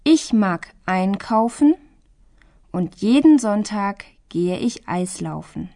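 Slow-speaking teenage German girl, played by a woman. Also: mid-range voice, lively intonation, warm tone. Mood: plain, measured. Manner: deliberate, carefully articulated. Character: Petra, sixteen-year-old German girl introducing herself. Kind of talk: slow scripted language listening exercise.

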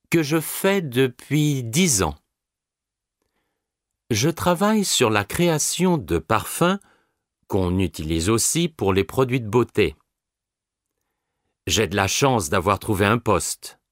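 A man's voice: fairly low pitch, dry recording, studio quality, full character voice. A man as a sing-song young perfumer. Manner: sing-song, expressive delivery. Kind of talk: scripted listening-exam monologue.

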